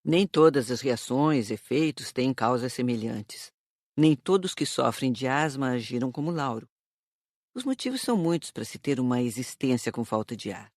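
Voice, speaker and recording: A man's voice: mid-range voice, animated, normal speed, dry recording, close to an everyday voice. Man acting a spirit teacher, dry sound. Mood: instructive. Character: spirit teacher calmly explaining cause and effect. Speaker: audiobook character voice. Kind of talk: scripted explanatory reading.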